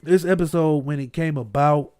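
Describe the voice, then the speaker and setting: A man's voice: a little high, steady tone, moderate pace, darkish tone, clean tone. A man from Ohio hosting a casual podcast chat, laid-back and slangy, a little stuffy. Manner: laid-back, slangy, repeats "you know what I mean". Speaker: podcast host.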